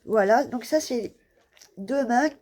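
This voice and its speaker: Slow, husky-voiced woman, hesitant. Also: fairly high pitch, a little mellow. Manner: hesitant, searching for words, many fillers; self-deprecating, laughs at her own guesses. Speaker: scrapbooking vlogger. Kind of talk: casual show-and-tell of craft stamps.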